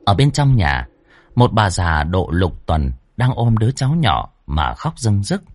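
A man narrating a horror story with lively, dramatic delivery. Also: fairly low pitch, unhurried, dry recording.

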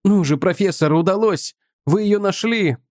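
A man's voice: high-pitched, moderate pace, darkish tone, no room sound, clean studio sound, pitched above the performer's own voice, natural voice. A man voicing an impatient, eager young man in an audiobook, raised and urgent. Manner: urgent, insistent. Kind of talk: audiobook character voice.

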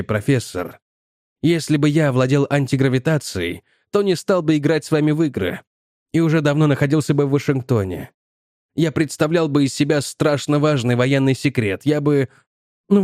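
A male audiobook narrator voices a calm young scientist who stays evenly composed while being coolly dismissive and politely evasive. His pitch sits fairly high and his delivery is brisk and lightly acted. The recording is dry and close-miked, with no room sound.

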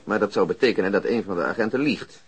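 In a conversational Dutch radio drama, an actor plays a dry, unflappable policeman who is matter-of-fact and needling toward his colleague. His voice is on the low side, husky and fast.

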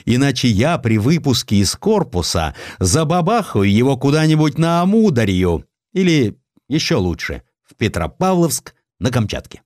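A man's voice: medium pitch, sing-song, normal speed, a little mellow, dry recording, clean studio sound, voice pushed up, lightly acted. A man voicing a crusty but kindly admiral in a dramatised audiobook, brusque and commanding, then coaxing. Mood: firm, wry. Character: crusty, blunt, kindly protective male admiral. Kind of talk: Russian audiobook character acting.

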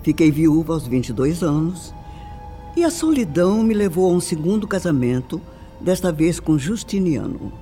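Solemn refined older brazilian mom telling her sad story, radio drama style, very animated melody, music behind. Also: low voice. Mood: fond, nostalgic. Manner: theatrical, solemn, deliberate phrasing. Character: older upper-class widowed mother, grave, sorrowful, refined. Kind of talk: dramatic radio drama narration in a formal register. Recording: music under the voice. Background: background music.

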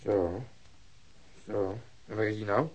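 Laconic, low-voiced male detective. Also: fairly even intonation, takes it slowly, darkish tone, poor audio. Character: male police detective, laconic, bored, unruffled. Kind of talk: Dutch radio crime drama acting.

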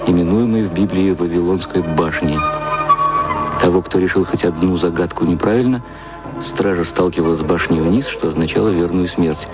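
An actor playing a brooding, ironic, intellectual advertising copywriter in an audio drama, speaking in a measured, deliberate way. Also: male voice, deep voice, lightly acted. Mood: solemn. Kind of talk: audio drama acting, inner monologue and reading. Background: music.

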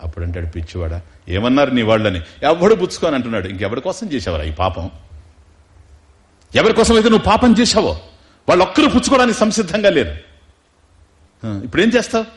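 A man's voice: mid-range voice, wildly swooping pitch. A man giving a religious discourse, telling a devotional story, asking his listeners questions and acting out the characters' lines. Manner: slows down for emphasis, chants Sanskrit verses. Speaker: spiritual discourse speaker.

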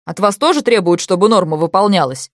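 A woman voicing a calm young man acting as interpreter, speaking in a steady, reassuring, matter-of-fact way. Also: mid-range voice, fairly quick, no echo, clean studio sound, close to an everyday voice. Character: calm young man, tall and thin, quick-witted interpreter.

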